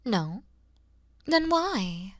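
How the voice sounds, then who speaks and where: A woman playing a kind, proud, mature dragon mother in an ASMR roleplay, with breathy delivery that often softens toward whispers and theatrical pauses. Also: on the high side, very animated, no room sound, studio quality, heavily acted. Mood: incredulous, questioning.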